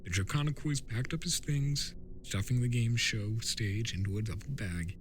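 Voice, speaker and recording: A man's voice: mid-range voice, animated, normal speed, slight background noise. A man giving a dramatic narration of a fantasy story as an amateur reader.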